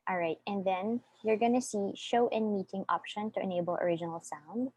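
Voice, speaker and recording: A woman's voice: mid-range voice, steady tone, a little fast, darkish tone, husky, low-quality recording. A woman with a Filipino accent, teaching a one-on-one voice lesson over a video call and patiently walking her student through each step. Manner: patient, many fillers and restarts, steps through instructions. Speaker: online voice teacher. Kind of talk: guiding a one-on-one online voice lesson.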